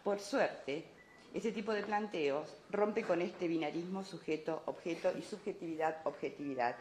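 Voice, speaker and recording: A woman's voice: lowish voice, measured pace, a little mellow. A woman speaking as an academic at a conference, addressing an audience emphatically, with repetition and rhetorical questions. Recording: echoey room, light background noise.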